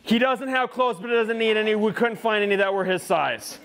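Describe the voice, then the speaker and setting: A camp counselor gets a group of campers ready for some easy first aid lessons, joking and teasing as he goes. The voice sits at an ordinary mid-range pitch. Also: brisk, a bit bright. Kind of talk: casual instruction to kids.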